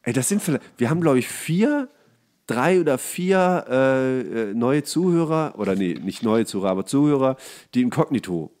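A man's voice: mid-range voice, animated, moderate pace, darkish tone. A man with a German accent chatting casually and comedically as a podcast co-host, colloquial and grumbling with coarse humour.

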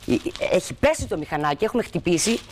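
Lively, dramatic woman storyteller. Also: on the low side, a little hiss or hum. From Greece. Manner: dramatic, acts out the people in her stories. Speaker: talk show guest. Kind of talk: animated anecdote telling.

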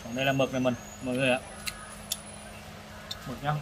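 A man hosts a casual food review from a noisy open-air restaurant. His pitch is average, and he talks haltingly between bites, searching for words and repeating himself. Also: little pitch movement. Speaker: food vlog host. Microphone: camera across the table. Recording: noisy eatery ambience, traffic.

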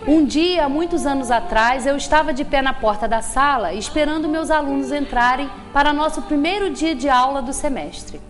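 A woman reading a story aloud in a measured way, seated at a table in a small meeting room. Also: high-pitched, soft background music. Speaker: speaker at a spiritist center.

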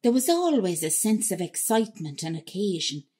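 A woman's voice: medium pitch, sing-song, normal speed, mellow, slightly rough. An actress playing a romantic Irish woman who fondly recalls her youth in a radio drama, wistful and storytelling, with an Irish accent. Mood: fond, nostalgic. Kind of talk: radio drama monologue, reminiscing.

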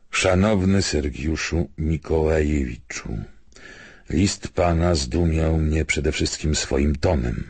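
A man narrating an audiobook, reading literary prose and letters in a measured, formal way. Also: extremely low pitch, slightly rough, no room sound.

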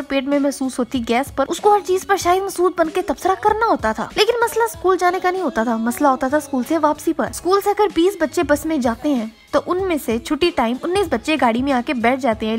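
Young woman, high voice, sarcastic comic storytelling, voice-over vlog. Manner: sarcastic, rapid storytelling with exaggerated asides. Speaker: YouTuber. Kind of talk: comedic storytelling monologue. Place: voice-over over gameplay footage.

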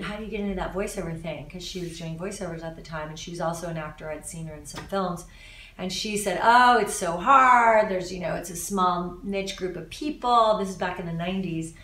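A woman in her forties from Los Angeles, a voice actor answering interview questions in a casual, animated way with frequent restarts, filmed in a living room. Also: on the low side. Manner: animated, talks with her hands, many restarts. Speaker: voice actor guest. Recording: roomy, slightly distant sound.

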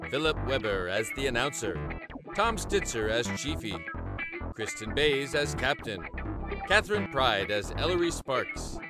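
A male announcer reads scripted credits in a lively, varied voice of medium pitch. Loud guitar music plays underneath him. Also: unhurried.

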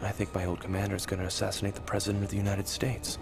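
A man's voice: fairly low pitch, completely flat delivery, rapid-fire, gravelly, music in the background. A male actor playing a resolute, world-weary fugitive ex-soldier in a motion-comic thriller, grave and determined in manner. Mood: serious. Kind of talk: dramatic motion-comic voice acting.

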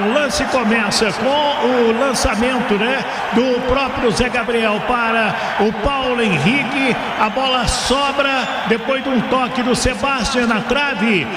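A Brazilian man giving excited, emphatic live football reporting. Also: extremely high pitch. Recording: echoey, very noisy stadium broadcast.

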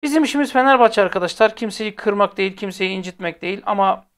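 A man's voice: high-pitched, quick pace, fairly bright tone, clean tone. A man hosting a football fan channel, ranting casually to viewers in a blunt, exasperated way and repeating phrases for emphasis. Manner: speaks directly to viewers, blunt and heated.

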